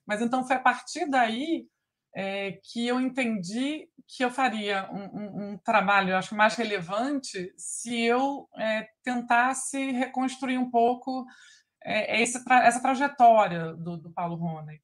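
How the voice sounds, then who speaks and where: A Brazilian woman in her forties, a biographer, talking thoughtfully from home over a video call, pausing often and restarting her sentences. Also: on the high side. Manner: thoughtful, halting, many fillers and restarts. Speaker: biographer guest. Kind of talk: recorded video call conversation. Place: home living room with lamp. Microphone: laptop webcam video call.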